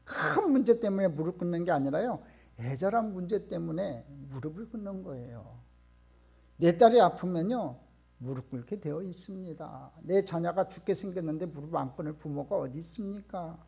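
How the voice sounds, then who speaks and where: A middle-aged man preaching a sermon in a church, emphatic and questioning the congregation, often swelling to loud outbursts. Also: fairly high pitch, lively intonation, normal speed, creaky, slightly rough, lo-fi sound. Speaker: pastor. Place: church sanctuary.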